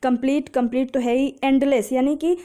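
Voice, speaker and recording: A woman tutor runs through vocabulary for an exam, her voice high-pitched yet soft and dark in tone. She poses each question and answers it herself, linking words to easy memory tricks. English phrases come slowly and carefully. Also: steady tone. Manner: explains patiently with memory tricks, asks and answers own questions. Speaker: exam prep teacher. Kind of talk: vocabulary lesson.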